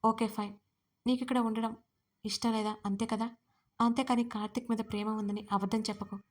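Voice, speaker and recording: A woman's voice: a little high, little pitch movement, a little fast, lightly acted. A woman voicing a stern, brooding young husband who questions bluntly and insists on the truth in an audio drama.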